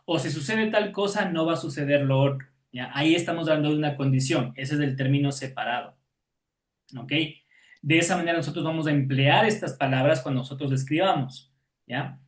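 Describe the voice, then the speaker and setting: A man's voice: on the high side, fairly quick, roomy sound. A man teaching an online class, patiently explaining and checking in with his students after every point.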